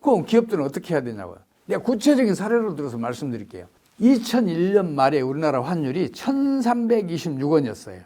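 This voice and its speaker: Animated high-voiced man explaining economics. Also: fast talker. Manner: emphatic, lecturing with rhetorical questions. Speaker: economics expert guest. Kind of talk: interview answers.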